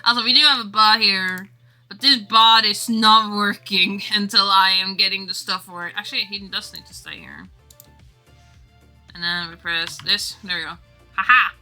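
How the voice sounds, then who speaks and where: A woman's voice: medium pitch, steady tone, moderate pace, bright, forceful tone, faint music behind. A woman livestreamer chatting casually with her viewers in a rambling, exclamatory way. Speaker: livestreamer and game developer.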